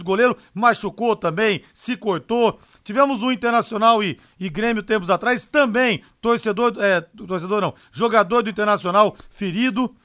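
High, bright-voiced male sports radio host. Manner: emphatic, conversational, punctuated with rhetorical tags. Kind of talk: live radio sports talk.

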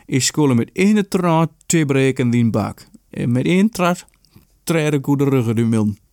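A man's voice: mid-range voice, expressive, moderate pace, a little mellow, dry recording, clean studio sound, natural voice. A man voicing a protective father bird who scolds an intruder at his nest. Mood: scolding. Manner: stern, scolding.

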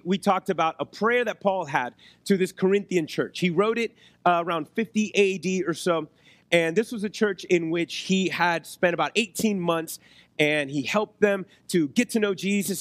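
A man preaching a sermon in a conversational way, his voice hoarse as if he has been losing it, often checking in with his listeners. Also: high voice, moderate pace, dry recording. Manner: conversational, checks in with rhetorical questions. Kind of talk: sermon to a congregation. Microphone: close microphone on a PA.

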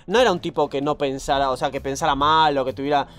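A young man with a Rioplatense Spanish accent chatting casually, telling animated, slangy stories and laughing often. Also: fairly high pitch, fast talker. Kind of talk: casual chat.

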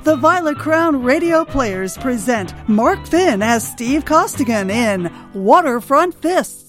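A woman announces in old-time radio serial style. Her voice is fairly high and animated, carried over a bed of music. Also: slow.

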